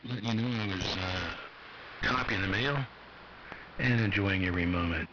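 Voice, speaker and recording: A man's voice: low-pitched, moderate pace. Older retired man chatting over radio static. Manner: relaxed, rambling, self-deprecating. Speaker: ham radio operator. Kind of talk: casual radio chat. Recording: dull shortwave radio with static.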